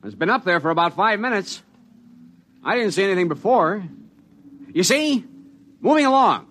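Lively, blunt mountain man. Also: high voice, moderate pace, full character voice. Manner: blunt, energetic. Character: hearty, outspoken outdoorsman who loves the mountains. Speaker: mountain climber. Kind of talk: 1950s radio drama acting.

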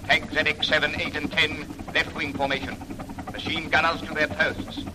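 An actor playing a clipped, authoritative army colonel who gives orders in a 1930s radio drama. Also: male voice, a little high, flat delivery, moderate pace, lightly acted. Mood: commanding. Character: commanding army colonel leading tank squadron. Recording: faint hiss of an old radio recording.

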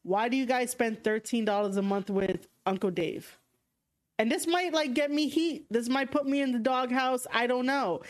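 A woman's voice: fairly high pitch, moderate pace. A young woman with a New York accent, hosting a casual livestream podcast, speaking frankly and rambling with lots of fillers and restarts. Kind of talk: casual livestream chat reading viewer comments.

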